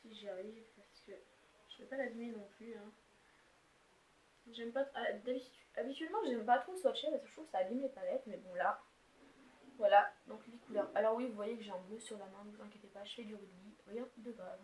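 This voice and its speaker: A woman's voice: medium pitch, brisk, a little mellow. A young woman showing and swatching her makeup palettes in a casual, rambling chat, full of fillers and restarts. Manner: chatty, rambling, filler-heavy. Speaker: beauty vlogger. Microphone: camera's built-in mic. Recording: echoey room, faint noise.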